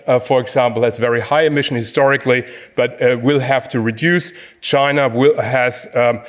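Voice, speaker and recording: A man talks through his slides at a conference, his sentences broken up by frequent "um"s and "uh"s. His voice sits at an ordinary middle pitch for a man. He speaks in short, halting bursts and keeps restarting his phrases. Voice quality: hesitant, frequent fillers. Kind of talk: conference presentation.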